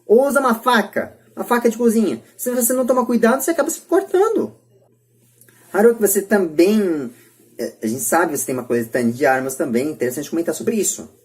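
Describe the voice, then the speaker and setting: A woman's voice: mid-range voice, big pitch swings, quick pace, darkish tone. A Brazilian woman hosting a casual podcast debate, emphatic and often repeating or rephrasing her points. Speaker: podcast host.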